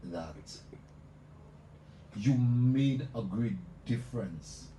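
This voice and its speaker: A man's voice: mid-range voice, lively intonation, extremely slow, dark tone. A male radio host talking effusively on a live show, repeating "let me tell you" as he builds up his guest. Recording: echoey room, mic at a distance, noisy.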